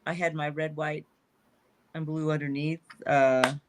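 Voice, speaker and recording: A woman's voice: sits low, level tone, unhurried, noisy background. A woman guest chatting casually in an interview, rambling and trailing off, laughing often.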